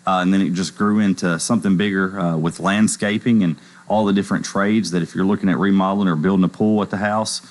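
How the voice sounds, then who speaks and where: A man's voice: sits low, fairly even intonation, fast, few pauses. A man from Middle Tennessee, a bank executive promoting a community expo on local radio in an affable way with many fillers. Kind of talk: radio interview.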